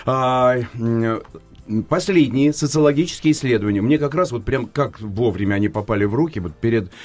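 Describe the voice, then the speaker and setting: An older man, an actor and former children's TV presenter, telling stories as a guest in a radio studio, lively and emphatic. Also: medium pitch, fairly quick. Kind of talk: studio interview.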